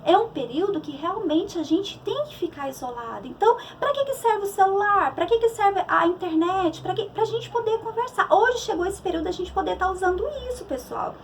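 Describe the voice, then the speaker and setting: A woman's voice: very high-pitched, expressive, brisk, few pauses, recorded from a distance, slight background noise. A middle-aged woman psychologist with a Brazilian Portuguese accent, giving a conversational church talk on emotions with many restarts and fillers.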